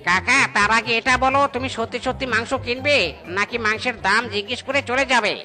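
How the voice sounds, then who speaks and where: An actor plays a cheeky cartoon animal shopkeeper with a piercingly bright, tense voice. The delivery is sarcastic and exasperated, like a market seller talking back, with faint music behind. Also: medium pitch, fairly quick. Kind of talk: Bengali comedy cartoon dialogue.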